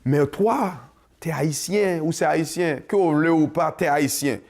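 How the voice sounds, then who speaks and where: Passionate Haitian-accented man, fairly high. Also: unhurried, a little mellow. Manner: passionate, switches between French and Creole, sings. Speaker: host. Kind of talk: casual monologue to camera.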